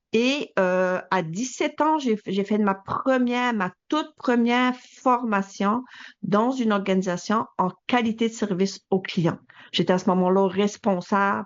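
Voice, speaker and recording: Speaking at a very slow pace in an Acadian accent, a woman keeps her loudness very even, her medium pitch carried by lively intonation. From Havre-Saint-Pierre, Côte-Nord, Quebec (Acadian community). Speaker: customer service trainer and consultant. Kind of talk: podcast interview.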